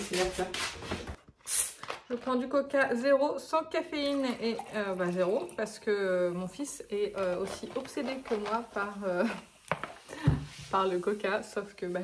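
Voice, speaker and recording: Against a noisy background, a woman with a medium-pitched voice and a French accent chats casually in a beauty vlog filmed indoors at home. She laughs often and fills her speech with fillers.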